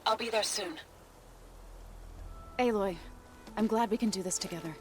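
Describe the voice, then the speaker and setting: An actress playing an earnest, gentle, devout young tribal woman in a video game cutscene. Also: medium pitch, normal speed, a little hiss or hum, natural voice. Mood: hopeful.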